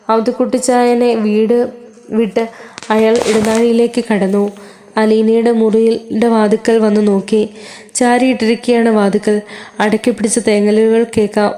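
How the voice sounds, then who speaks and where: A woman narrates a serialized story in a steady, level delivery. Her voice sits slightly high yet moves very little in pitch, with a warm, mellow tone. She now and then stumbles and restarts a word, then carries on. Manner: steady reading with small slips and restarts.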